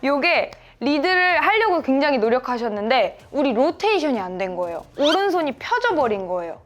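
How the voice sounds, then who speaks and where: A woman's voice: high-pitched, big pitch swings, moderate pace, slight background noise. A woman golf instructor coaching a student through swings, encouraging them and calling out sound cues like "bang" on each hit. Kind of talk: hands-on golf lesson coaching.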